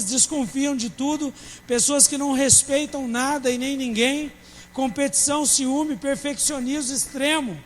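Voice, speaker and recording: High-voiced pastor preaching. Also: male voice, long reverb tail, slight background noise, poor audio. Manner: humorous, acts out church members in dialogue. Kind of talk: sermon. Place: church service.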